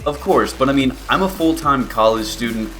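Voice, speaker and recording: A young man in his early twenties talks through a casual question-and-answer vlog at a middling pitch. He rambles easily and leans on fillers, and faint music plays under his voice. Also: normal speed. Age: 20s. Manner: relaxed, rambling, many fillers. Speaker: YouTuber.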